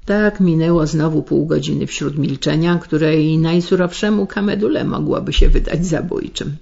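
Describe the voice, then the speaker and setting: A woman reading a story aloud and hosting a radio program in a measured, expressive narration, on a slightly muffled radio recording. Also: deep voice, creaky. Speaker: radio story reader and host.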